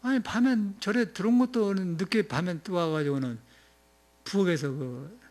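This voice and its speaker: A Buddhist monk with a Jeolla accent giving a rambling, conversational dharma talk, often chuckling and dropping in filler sounds. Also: male voice, sits high, moderate pace, a little mellow. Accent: Jeolla Korean. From Jeolla, South Korea. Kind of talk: informal sermon.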